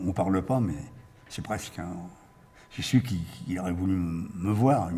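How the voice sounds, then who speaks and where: With audible room echo, a man speaks at a very deep, low pitch and a moderate pace, using ordinary pitch variation. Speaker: former resistance fighter and deportee. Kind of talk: testimony. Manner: halting, frequent repetitions.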